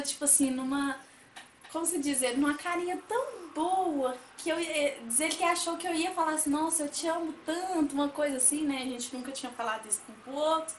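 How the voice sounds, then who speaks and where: A young woman chats through a casual storytelling vlog. Her voice sits high, and she keeps turning to her viewers with little asides. The room gives back a clear echo. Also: slight background noise. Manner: chatty, addresses viewers as "gente", acts out quotes loudly. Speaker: vlogger. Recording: echoey room, faint ambience.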